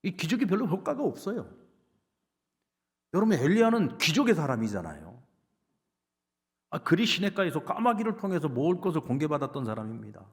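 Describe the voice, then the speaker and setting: Man, pastor, sermon, emphatic preaching, lively swinging pitch. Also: brisk, pauses often. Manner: emphatic, animated preaching with acted quotes.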